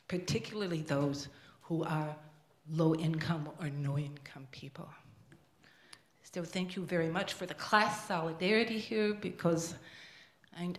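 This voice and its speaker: An older woman in the audience giving an impassioned comment into a handheld microphone at a panel, getting louder and more emphatic. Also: fairly low pitch. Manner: emphatic, grows louder and forceful. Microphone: handheld microphone passed in audience. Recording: echoey room.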